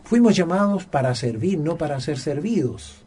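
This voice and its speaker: A man's voice: on the high side, lively intonation, moderate pace, mellow, slight background noise. A man co-hosting a Bible study program, speaking earnestly and emphatically, with fillers and repeated words. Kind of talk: conversational Bible study dialogue.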